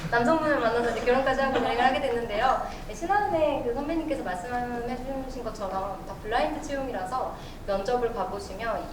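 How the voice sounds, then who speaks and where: A woman speaks earnestly and encouragingly as a bank employee on a panel. Her voice sits a little high. She is recorded from afar in an echoey, noisy hall. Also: distant mic. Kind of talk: panel talk.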